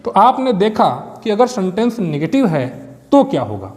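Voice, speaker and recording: High-voiced male teacher, reverberant room. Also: huge pitch swings, darkish tone. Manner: explains step by step, often checks with "ठीक है?"; slows down to spell out example sentences word by word. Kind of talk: exam-prep grammar lesson.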